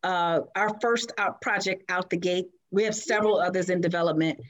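A woman's voice: on the low side, steady tone, fairly quick. Effusive woman producer guest. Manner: effusive, gushing, many fillers. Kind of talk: casual interview chat.

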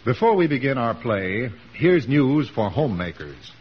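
A man's voice: medium pitch, very animated, normal speed, over music. A man announcing a 1940s radio drama in a stately, emphatic way, on a muffled old broadcast recording.

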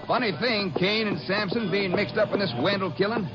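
An actor playing a wry, easygoing Ranger sidekick in a 1950s radio western. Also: male voice, high voice, brisk, lightly acted. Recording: muffled old radio recording, music.

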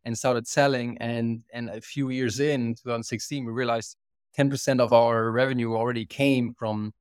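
German-accented man, earnest and halting. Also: medium pitch, steady tone, clear, resonant tone, no room sound, studio quality. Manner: earnest, many restarts and repeated words. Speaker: guest, company co-founder and CEO. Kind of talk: casual interview chat.

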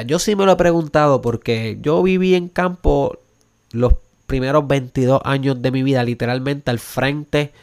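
This podcast host from Puerto Rico speaks in a clear, resonant mid-range voice with a Puerto Rican accent. His motivational monologue is emphatic, mixing English words into his Spanish as he climbs toward pressing questions.

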